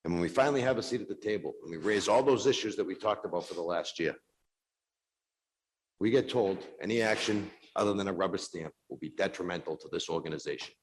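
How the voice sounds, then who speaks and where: A man speaking as a city councilor in a council meeting, forceful and exasperated, making his case with rhetorical questions. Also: low-pitched, fast, a little hiss or hum, rough recording. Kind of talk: council floor speech. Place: council chamber.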